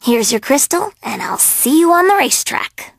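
A woman's voice: high voice, sing-song, normal speed, creaky, dry recording, exaggerated voice. A woman voicing a sullen, menacing, sarcastic young undead girl in a video game, sneering and threatening. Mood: smug. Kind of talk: video game character acting.

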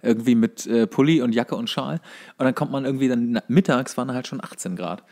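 A man's voice: mid-range voice, fast talker, darkish tone. A man bantering casually as a podcast co-host.

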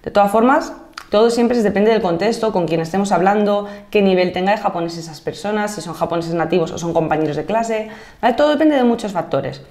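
A woman of thirty from Madrid with a Castilian Spanish accent, teaching a Japanese lesson on video. She explains each point clearly, slowing down to model phrases and checking in with "¿vale?". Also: medium pitch, a little mellow. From Spain (Madrid).

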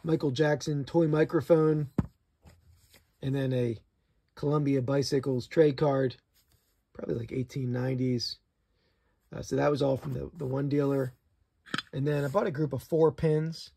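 Gravelly, husky middle-aged man. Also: medium pitch, moderate pace, long pauses. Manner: relaxed, plainspoken, chatty. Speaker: reseller showing flea market finds. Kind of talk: casual haul recap.

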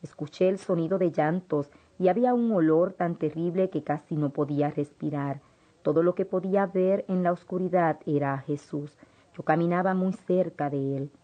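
A woman's voice: lowish voice, normal speed. A woman narrating a first-person audiobook in a solemn, intense manner, in a dull, lo-fi recording.

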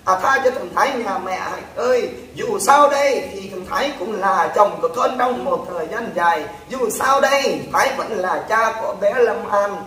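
A man's voice: sits high, moderate pace, hardly any pauses, recorded from a distance, crowd noise, natural voice. Man putting on a wailing begging mother. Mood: wailing plea. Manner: pleading, sing-song wailing. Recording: roomy echo, off-mic.

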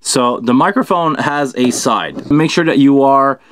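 At a table in a small indoor studio, a middle-aged man hosts a casual unboxing and product review, informally thinking aloud as he goes through the gear. He speaks a little slowly in a medium-pitched, slightly bright voice.

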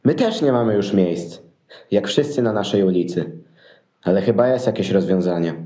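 A man's voice: on the low side, moderate pace, warm tone, roomy sound, close to an everyday voice. A man playing an apologetic but helpful innkeeper in a Christmas radio play.

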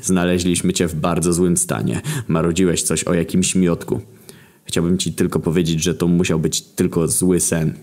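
A man voicing a calm, politely menacing male doctor in a comic story reading. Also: low voice, moderate pace. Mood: smug.

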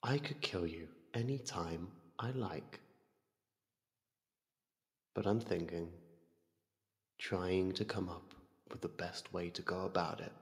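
A man voicing an ancient void entity that calmly toys with its prey in an ASMR roleplay, slow, deliberate and condescending. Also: fairly low pitch. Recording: cavernous long reverb.

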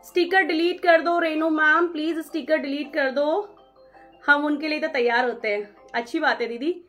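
Brief: young woman, high voice, live-stream seller, friendly and brisk, reads out viewers' names, mixes in English, soft music underneath. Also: fairly even intonation. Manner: mixes English phrases into Hindi. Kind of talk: live-stream sales chat.

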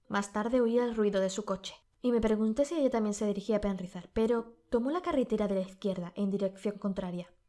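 A woman with a Spanish accent narrating an audiobook, her voice a little strained from a sore throat. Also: medium pitch. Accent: Spain Spanish. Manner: measured, steady storytelling.

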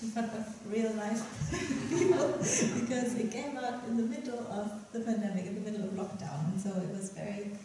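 A young woman poet giving a reading at a lectern on a dark stage, chatty and giggly between her poems and measured as she reads them. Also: medium pitch, background noise. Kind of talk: poetry reading. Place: dark stage at a festival event. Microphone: stand mic at a lectern. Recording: roomy hall, mic from a distance.

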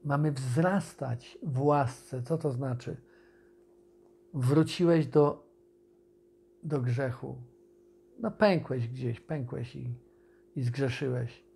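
A man preaching an informal video sermon, speaking conversationally with pauses and restarts and reading scripture aloud. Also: medium pitch, fairly even intonation, vocal fry, darkish tone, slightly rough.

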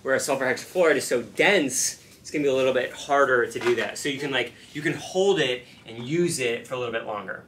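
A man's voice: mid-range voice, fast talker, few pauses, fairly bright tone, a little hiss or hum. An American man in his thirties explaining science casually and with enthusiasm. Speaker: science presenter. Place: small cluttered workshop, indoors.

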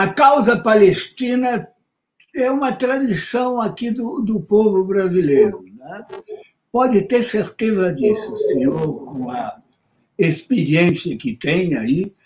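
A man in his seventies with a Brazilian accent, chatting as an interviewer in a halting, rambling way, repeating words, on a video call. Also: high voice, animated, low-quality recording. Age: 70s. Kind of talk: informal interview conversation. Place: indoors in a room with bookshelves, on a video call. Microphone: video call microphone.

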